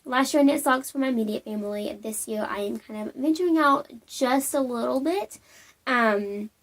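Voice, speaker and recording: A woman's voice: sits high, normal speed. A young woman hosting a knitting podcast, chatting casually and bubbly to camera from home, with lots of "um"s and tangents.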